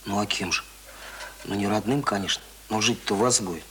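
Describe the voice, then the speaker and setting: A man's voice: lowish voice, a little fast, fairly bright tone, slight background noise, close to an everyday voice. Man acting an earnest know-it-all schoolboy. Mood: matter-of-fact. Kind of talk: radio play acting.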